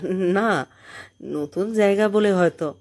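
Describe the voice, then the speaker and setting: A woman's voice: medium pitch, takes it slowly, a little mellow. A woman storyteller voicing a puzzled male writer who answers briefly and hesitantly.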